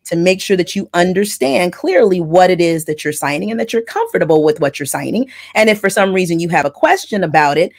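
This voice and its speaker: A woman's voice: fairly low pitch, animated, fairly quick, hardly any pauses, darkish tone. A middle-aged woman from Florida, raised in Texas, talking at length about her notary work in a casual video-call interview from her home office. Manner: wordy, chatty, explains in detail. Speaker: mobile notary loan signing agent and channel host. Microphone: earbud headset on a video call.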